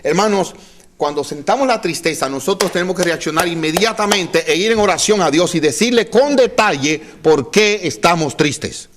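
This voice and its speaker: A man preaching from the pulpit in a fairly high voice. He addresses the congregation directly and asks them to repeat phrases, now pressing forward, now dropping to a near hush to drive a point home. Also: animated, normal speed, background noise. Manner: dynamic delivery, drops to soft low tones for emphasis. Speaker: pastor. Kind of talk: sermon. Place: church.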